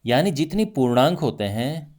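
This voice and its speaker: A male math teacher giving a lively classroom lesson, talking through each point with frequent check-ins to his students. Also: medium pitch, moderate pace. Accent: Hindi.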